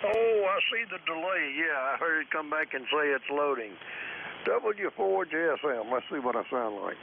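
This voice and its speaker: A man's voice: on the high side, animated, moderate pace, vocal fry. A man chatting casually as an amateur operator over a ham radio transmission. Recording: narrow, hissy, noisy radio link.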